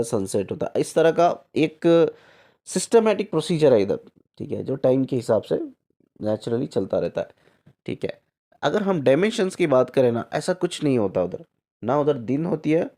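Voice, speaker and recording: A male spiritual coach with a warm, medium-pitched voice explains his ideas to camera in Hindi mixed with English phrases. He's repetitive, poses rhetorical questions, and keeps checking in with the listener with frequent "theek hai."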